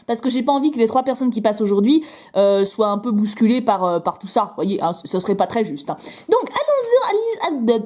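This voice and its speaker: A woman's voice: fairly high pitch, warm tone. A young woman chatting casually to camera as she opens her fan mail, bubbly and playful, with lots of little fillers and repeats. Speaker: YouTuber opening fan mail.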